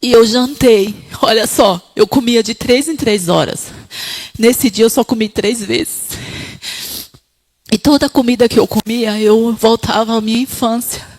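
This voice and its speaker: High-voiced woman giving a fervent testimony. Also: measured pace. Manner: builds from quiet storytelling to fervent shouted exhortation. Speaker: preacher. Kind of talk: testimony sermon.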